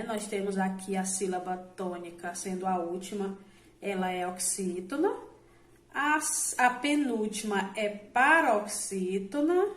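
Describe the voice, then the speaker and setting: A woman's voice: medium pitch, reverberant. A woman teaching a recorded grammar lesson to adult learners, explaining patiently and often checking in with "né?". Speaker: Portuguese teacher.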